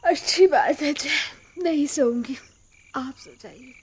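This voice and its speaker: An actress playing a weary, protective wife and mother in a radio drama, pleading and gently reproachful. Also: sits high, slow pace. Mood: weary, patient. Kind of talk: Hindi radio drama acting.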